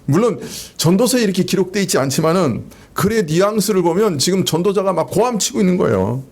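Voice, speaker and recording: In a church sanctuary, a pastor preaches a sermon in a high-pitched, expressive, darkish voice at a quick pace. He speaks to the congregation conversationally and asks them rhetorical questions.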